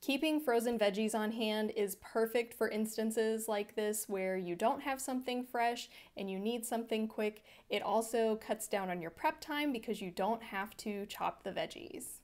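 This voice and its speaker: A woman's voice: on the high side, normal speed, few pauses, darkish tone. A woman hosting a home cooking channel, narrating her meals in a friendly, chatty voice-over that explains each step. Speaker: vegan cooking channel host.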